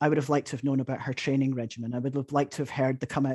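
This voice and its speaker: Quiet surrounds this recording. The accent heard is a British accent. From UK. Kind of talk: interview.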